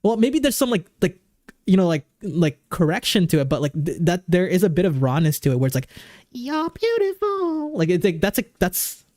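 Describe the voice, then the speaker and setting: A woman's voice: on the low side, animated, fairly quick, warm tone, no echo, clean studio sound. A woman live streaming while gaming, chatting casually with viewers into a desk microphone and reading their messages aloud. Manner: chatty, reads chat aloud, keeps breaking into song. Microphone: desk microphone on an arm.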